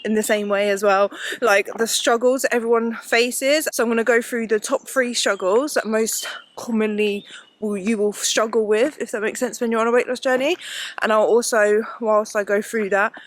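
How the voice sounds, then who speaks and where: A woman's voice: on the high side, fairly even intonation, moderate pace. A woman vlogging while walking uphill outdoors, chatty and rambling, full of fillers, audibly out of breath. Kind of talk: casual chat while walking. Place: outdoors on a hill walk.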